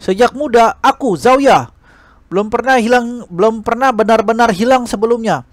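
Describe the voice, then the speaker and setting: Man voicing a high-pitched, haughty young noblewoman. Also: normal speed, dry recording, clean studio sound. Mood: stubborn, defiant. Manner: indignant, insistent exclaiming. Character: haughty, hot-tempered young noblewoman, stubborn and defiant.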